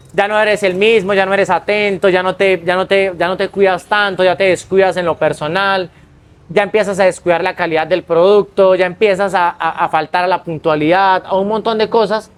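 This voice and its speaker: A young Colombian man telling his own story in a casual interview, earnest, often restarting his phrases. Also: high-pitched. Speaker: guest, pizza business owner.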